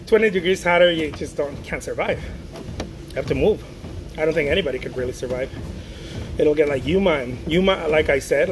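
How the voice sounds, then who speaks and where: Rambling through a casual livestream, an artist from Mexico keeps restarting his sentences and reads out comments from viewers. His voice is a little high, and the low-quality recording carries noticeable background noise.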